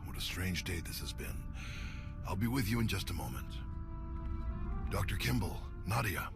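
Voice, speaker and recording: An actor playing a calm, older Jedi master with a gravelly voice. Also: male voice, sits low, moderate pace, over music. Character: wise, calm old male Jedi master.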